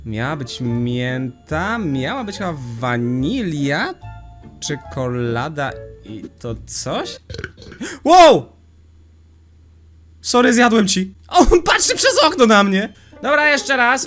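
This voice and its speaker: A young man giving excitable, slangy gaming commentary as a youtuber, often laughing. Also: a little high. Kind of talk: Minecraft let's play commentary.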